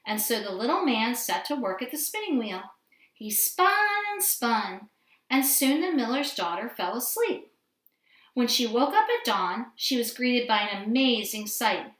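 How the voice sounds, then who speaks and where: Female children's storyteller, fairly high voice, expressive read-aloud, recorded in an echoey room. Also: measured pace. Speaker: storybook reader. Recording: roomy indoor echo.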